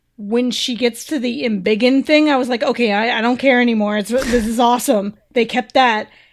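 Speaking at a fairly quick pace with hardly any pauses, a woman uses a high pitch. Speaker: podcast co-host. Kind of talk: casual chat. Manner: enthusiastic.

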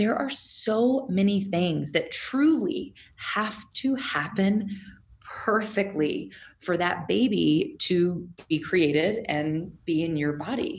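Speaking at a very slow pace, a woman with a medium pitch and a somewhat breathy voice makes very wide pitch swings, with audible room echo around her. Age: 30s. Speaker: fitness platform founder. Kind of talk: casual chat.

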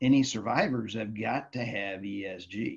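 In a Texan accent, a man speaks at a very slow pace. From Texas. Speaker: interviewer, oil and gas media director. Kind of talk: interview.

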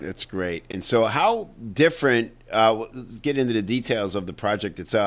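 Ordinary pitch variation comes with speech at a moderate pace. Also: man. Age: 40s. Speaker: podcast host. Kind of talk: interview. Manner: animated.

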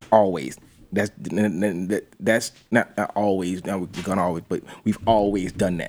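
A man with an American accent has a plain, everyday voice. He talks at a moderate pace with a fairly low pitch. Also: fairly even intonation. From US South, Augusta, Georgia. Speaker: art director and clothing designer. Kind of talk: casual chat.

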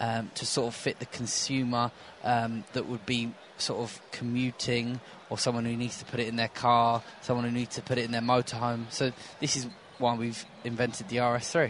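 A man with a British accent speaks at a moderate pace in a medium pitch, his intonation flat and monotone. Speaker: scooter company director. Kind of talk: interview. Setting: trade show in Berlin.

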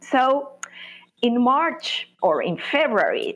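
A woman with a Spanish accent and lively intonation, in a very clean recording with a silent background. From Chile, Valparaiso. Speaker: quilter and quilting teacher. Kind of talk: interview. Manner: hesitant, many fillers.

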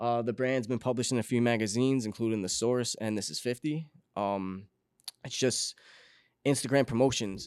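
In a very clean recording with a silent background, a man with an American accent and an ordinary speaking voice talks at a moderate pace with fairly even intonation. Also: medium pitch for a man. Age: 30s. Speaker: caricature artist. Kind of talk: casual chat.

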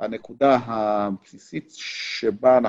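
A man talks with ordinary pitch variation. No echo is heard, and the sound is dry and close. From Israel, western Negev. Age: 50s. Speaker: author and retired civil administration officer. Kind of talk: podcast interview.

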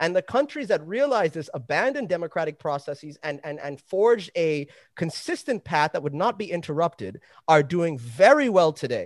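A man talks fairly quickly in an animated tone, his high voice moving through very wide pitch swings. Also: dry, close sound with no echo, very clean recording, silent background. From Asia, mostly Singapore and Southeast Asia. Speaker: record label owner, former journalist. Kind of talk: casual interview.

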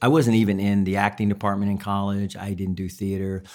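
A man with a Texas accent talks very fast at a fairly low pitch. The recording is very clean, with a silent background. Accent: Southern US with Austin Texas tinge. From Memphis, Tennessee. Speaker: stand-up and improv comedian. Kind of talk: casual interview chat.

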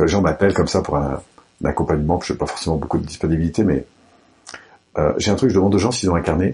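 Lively intonation runs through a man's very deep, low voice. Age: 50s. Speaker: NLP trainer and speaker. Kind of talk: interview.

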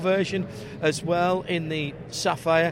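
A man's high-pitched voice. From northern England. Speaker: motorsport radio host. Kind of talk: casual walkaround chat. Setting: exhibition hall at car show.

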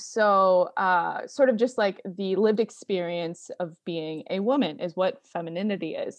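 At a fairly slow pace and with hardly any pauses, a woman talks at medium pitch in an ordinary speaking voice. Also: ordinary pitch variation. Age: 20s. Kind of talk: interview conversation.

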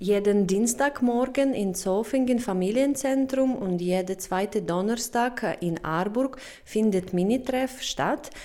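A woman with a fairly high pitch talks at a very slow pace with hardly any pauses. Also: ordinary pitch variation. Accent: Russian. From Russia. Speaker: organizer of parent-child meeting, mother. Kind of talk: interview answers. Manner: hesitant, with fillers.

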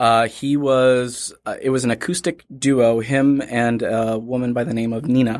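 A man with an American accent, medium pitch and an unremarkable speaking voice, fairly even intonation, in a very clean recording with a silent background. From Michigan, Detroit area. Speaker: musician. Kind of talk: interview. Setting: studio.

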